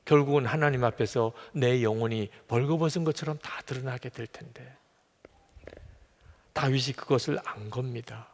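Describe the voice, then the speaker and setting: Preaching pastor, echoing sanctuary. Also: male voice, mid-range voice, moderate pace. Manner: earnest preaching, voicing God's words in quotes, dropping to a whisper at times. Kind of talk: sermon. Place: church sanctuary. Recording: long hall reverb.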